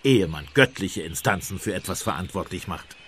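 Calm clever priest sleuth, audio drama, lowish voice that moves around a lot, polite. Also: male voice, husky, full character voice. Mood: reasoning. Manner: measured, polite, reasoning. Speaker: actor in a radio play. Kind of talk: German audio drama acting.

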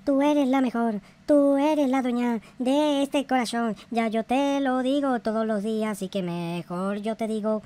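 A man's voice: very high voice, fairly even intonation, measured pace, few pauses, mellow, smooth. A man voicing a childish, cheeky noob son in a rambling Minecraft roleplay, repeating himself and exclaiming. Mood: pleading. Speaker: YouTube gamer playing a character.

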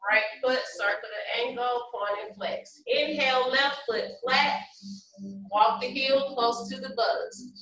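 Echoey, distant, bright-voiced woman instructing yoga. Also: high voice. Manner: short, measured step-by-step cues with counting. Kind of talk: guided yoga class instruction. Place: large empty carpeted office room, indoors. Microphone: far camera across the room. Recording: echoey room, distant microphone, faint music.

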